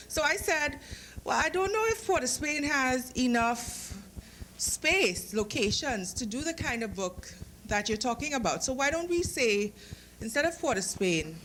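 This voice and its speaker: A woman with a Trinidadian accent speaks as an author at a live literary reading. Her phrasing is careful, with a playful, teasing touch, and her voice sits at a medium pitch. There is some noise behind her in the live recording. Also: fairly bright tone, low-quality recording. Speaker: author reading from own short story. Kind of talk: literary reading with informal introduction to a live audience. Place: live lecture event before an audience. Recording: live talk with clear background noise.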